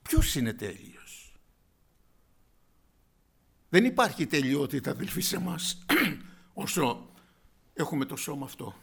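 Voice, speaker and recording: A man preaching a sermon, calling out loudly and then dropping to a hushed whisper, addressing his listeners as brothers and sisters. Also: on the high side, expressive, creaky, breathy edge. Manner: swings from loud exclamations to hushed whispers. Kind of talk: evangelical sermon.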